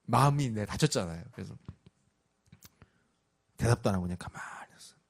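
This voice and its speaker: A middle-aged man preaching a sermon, telling stories in a lively, animated way. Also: fairly low pitch, fairly quick, gravelly, husky. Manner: lively storytelling, animated voices. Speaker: pastor.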